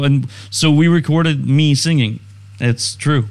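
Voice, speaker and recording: Noticeable background noise sits behind a man whose fairly high voice shows ordinary pitch variation. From Ukraine, then Israel. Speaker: musician. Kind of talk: casual chat.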